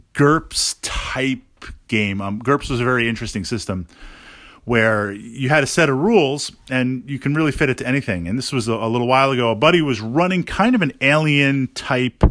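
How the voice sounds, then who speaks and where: A man's voice: mid-range voice, fairly bright tone, dry recording. Man thinking aloud in a dry, close recording. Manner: thinking aloud, halting, repeats words for emphasis. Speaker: tabletop gaming blogger and podcast host. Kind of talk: casual podcast monologue reviewing a game.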